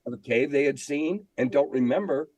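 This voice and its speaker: A man's voice: mid-range voice, normal speed, darkish tone, no room sound, poor audio. An older American man answering in a conversational interview, telling stories and stressing his opinions with emphatic repetition. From United States. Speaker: interview guest, veteran game designer and editor.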